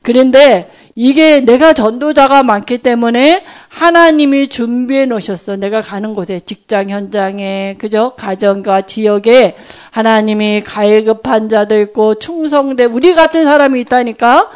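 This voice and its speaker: A woman's voice: a little high, normal speed, smooth. A woman giving an informal sermon on evangelism, speaking conversationally and often checking that listeners agree.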